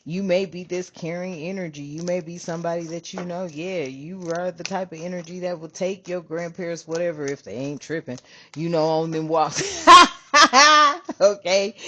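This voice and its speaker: A woman host giving a casual spiritual reading, animated and profane, calling her viewers family. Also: fairly low pitch, highs cut off. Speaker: spiritual reader, channel host.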